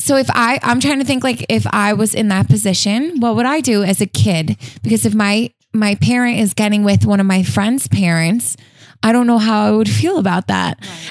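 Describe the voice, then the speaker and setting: A woman with a plain, everyday voice at medium pitch speaks at a moderate pace with lively intonation. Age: 20s. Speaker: podcast co-host. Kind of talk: casual chat.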